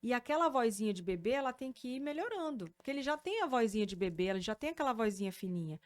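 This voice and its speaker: Animated Brazilian woman explaining clearly. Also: on the high side, fast, dry recording. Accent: Brazilian Portuguese. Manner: didactic, animated, checks in with "né?" and "tá?". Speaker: speech therapist and podcast host. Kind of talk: explanatory podcast conversation.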